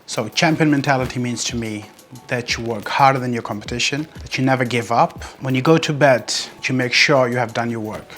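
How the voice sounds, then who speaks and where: A man's voice: mid-range voice, brisk, a bit bright, faint music behind. A man from Afghanistan, a professional bodybuilder, telling his life story in an earnest, determined interview monologue.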